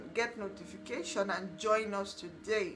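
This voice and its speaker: A woman is speaking. Faint music plays behind her. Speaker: online group host. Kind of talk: casual live stream talk. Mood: lively, laughing at times. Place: kitchen. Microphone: phone near.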